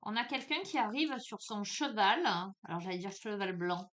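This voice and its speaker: A woman's voice: medium pitch, animated, fairly bright tone. Chatty woman reading oracle cards. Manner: chatty, laughing, lots of fillers and asides; slow, drawn-out voice when reading card texts. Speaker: tarot and oracle card reader. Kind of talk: casual spoken card reading.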